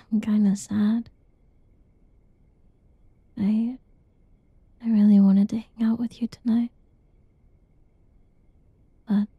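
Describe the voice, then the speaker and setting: A young woman doing a whispered ASMR roleplay in a soft, teasing whisper, recorded close and dull. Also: medium pitch, breathy edge, dry recording.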